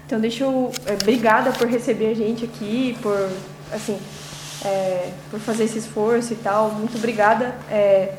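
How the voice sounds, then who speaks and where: A young woman student leads an interview in a halting way, leaning on fillers as she searches for her words. Her voice sits a little above average in pitch. She is recorded in an echoey room with faint noise behind her. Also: steady tone. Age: young adult. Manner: hesitant, many fillers and restarts. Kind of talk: casual interview questions.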